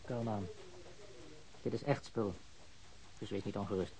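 An actor playing a shrewd small-time crook turned informant in a radio drama, self-assured and bargaining slyly. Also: male voice, fairly low pitch, steady tone, measured pace, vocal fry, warm tone, rough recording.

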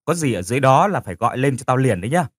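A man's voice: mid-range voice, very animated, rapid-fire, breathy edge, no room sound, clean studio sound. A man voicing a brash, kind-hearted young woman who bosses her friend around bluntly, in an audio story. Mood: bossy caring. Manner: bossy, blunt, swears affectionately.

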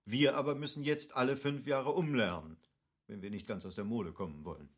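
Cultured lecturing gentleman male actor, mid pitch, emphatic and rhetorical, old-school radio drama. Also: steady tone, brisk, natural voice. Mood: wry, reflective. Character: opinionated, lecturing cultivated gentleman of Goethe's era. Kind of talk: classic German radio play acting.

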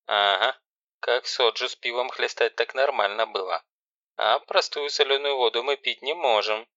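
A man voicing a stern, sarcastic older sister who gives loud, harsh commands. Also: medium pitch, moderate pace, dry recording, natural voice. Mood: harsh commanding. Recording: dull lo-fi recording.

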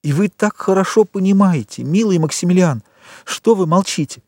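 A man's voice: high voice, normal speed, a little mellow, no echo, clean studio sound, pitched above the performer's own voice. A man voicing a proud, anguished young noblewoman, in a raised, pleading tone. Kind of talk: audiobook narration.

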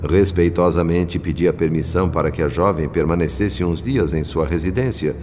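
A man's voice: low-pitched, darkish tone. A man playing the solemn narrator of a Brazilian radio drama, with a Brazilian accent and a formal, literary delivery. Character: solemn spirit narrator, grave and literary observer. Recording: long reverb under faint music.

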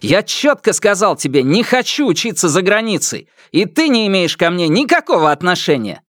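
A man's voice: sits high, sing-song, moderate pace, fairly bright tone, no echo, clean studio sound, pitched above the performer's own voice. Man doing a blunt, stubborn schoolboy. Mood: angry. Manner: curt and indignant. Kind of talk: audiobook character voice.

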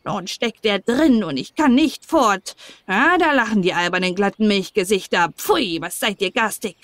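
A woman's voice: mid-range voice, expressive, normal speed, fairly bright tone, dry recording, close to an everyday voice. A woman reading a fairy tale aloud and voicing a quarrelsome, ungrateful old male dwarf with a screeching, scolding voice. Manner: scolding, snarling.

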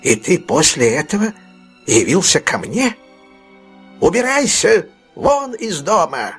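A man's voice: a little high, sing-song, very slow, fairly bright tone, slightly rough, soft background music, pitched above the performer's own voice, full character voice. A man voicing a frantic, miserly old male fence who cries out in panic. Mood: alarmed.

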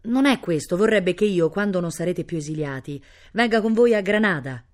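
A woman voicing a gentle but stubborn young baron, polite, hesitant and yet firm, in a storybook reading. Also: on the low side, lively intonation, moderate pace, close to an everyday voice. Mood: hesitant, tender.

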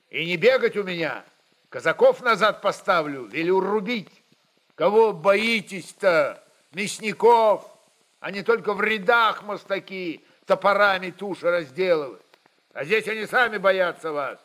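A man's voice: high-pitched, a bit bright, pitched above the performer's own voice. A man voicing a hot-tempered Cossack rebel chieftain in an audiobook, barking orders in coarse peasant speech.

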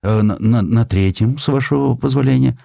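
A man's voice: mid-range voice, normal speed, vocal fry, dark tone, dry recording, studio quality, pitched above the performer's own voice. A man voicing a flustered, servile messenger who stammers and hesitates deferentially in a dramatised audiobook.

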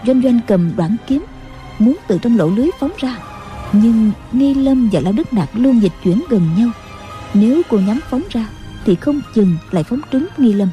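A woman reads a martial-arts novel aloud in a steady storytelling voice. Her voice sits a little high but sounds warm and mellow, with faint music beneath. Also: normal speed. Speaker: audiobook narrator. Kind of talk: scripted storybook narration.

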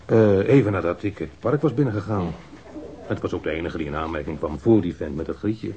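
A man's voice: low voice, brisk, dark tone, a little hiss or hum. An actor playing an evasive street mugger in a radio drama, defensive and rambling as he answers police questions in slangy, hesitant speech. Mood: hesitant, recalling. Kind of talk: naturalistic radio drama acting. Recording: dull lo-fi radio recording.

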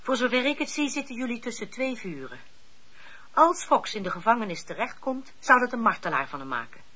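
Shrewd colonel's wife, husky, animated intonation, cultivated, radio play, muffled recording. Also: female voice, on the high side, fairly quick, full character voice. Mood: shrewd, pointed. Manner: articulate, cultivated, pointed. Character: shrewd, poised colonel's wife, subtly challenging. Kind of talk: period radio drama acting.

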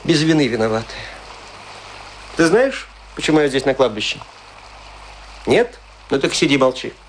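An actor in a radio play monologue, playing a tipsy, self-pitying provincial actor who declaims and muses aloud. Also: male voice, mid-range voice, big pitch swings, moderate pace, slight background noise, close to an everyday voice, low-quality recording. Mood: wry, confiding. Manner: declamatory, musing aloud, swinging between grand and intimate.

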